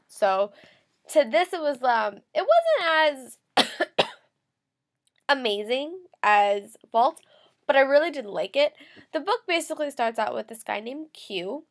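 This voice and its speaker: A young woman with a slight cold talks through a book review at her webcam in her bedroom. Her voice sits a little on the high side, and she keeps it chatty and loose, full of fillers and quick self-corrections. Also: a bit bright. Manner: chatty, gestures a lot, many fillers and restarts. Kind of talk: casual book review vlog. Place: bedroom with photo-covered wall. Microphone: webcam at close range.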